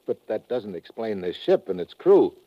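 An American actor playing a tough, wry secret agent posing as a ship's captain in a 1950s radio adventure, with a clipped, sardonic delivery. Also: male voice, on the low side, sing-song, moderate pace. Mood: wry, brisk. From United States. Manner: clipped, sardonic, hard-boiled. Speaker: lead actor in a radio drama. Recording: dull, noisy old radio recording.

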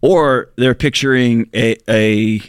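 Earnest and reflective, a forties-aged male co-host talks slowly in a casual podcast discussion on a talk show, with emphatic outbursts and abrupt rises in pitch. His tone is clear and resonant, recorded dry at studio quality.

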